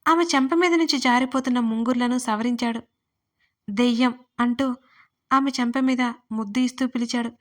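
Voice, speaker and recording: A woman, writer and narrator of her own audio romance stories, telling them in a steady, even manner. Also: fairly high pitch, fairly quick.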